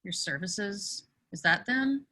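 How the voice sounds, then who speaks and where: A woman's voice: medium pitch, lively intonation, slow pace, sharp tone, no echo, full character voice. A woman playing a dejected, awkward teenage boy in an amateur table read, subdued and hesitant. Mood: sullen.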